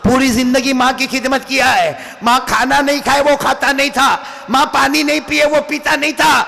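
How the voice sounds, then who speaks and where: Tired male preacher, very high, gravelly voice, shouts then drops low, crowd call-and-response, long hall reverb. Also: steady tone, moderate pace. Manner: swings between shouting and hushed low lines. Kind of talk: religious sermon.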